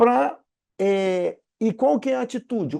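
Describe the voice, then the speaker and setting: A man's high-pitched voice, dark and mellow in tone, with very wide pitch swings against a quiet background. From Brazil, São José dos Campos. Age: 60s. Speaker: study group mediator. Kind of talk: group study discussion. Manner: hesitant with repetitions.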